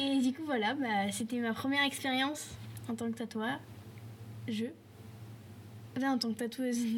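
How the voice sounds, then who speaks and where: A woman's high-pitched voice at a moderate pace, with fairly even intonation and long, frequent pauses. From France, La Rochelle. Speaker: guest, aspiring writer and tattoo artist. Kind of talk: casual chat.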